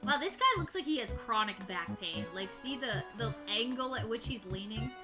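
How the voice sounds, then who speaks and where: A woman's voice: a little high, animated, moderate pace. A young woman hosting a casual game livestream, bubbly and rambling. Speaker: livestream host. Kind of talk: casual game stream chat. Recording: live stream with loud game music.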